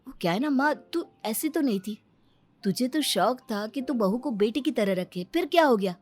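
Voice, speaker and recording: A woman voicing a grown son who reasons gently with his mother in an animated story. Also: a little high, normal speed. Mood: reasoning.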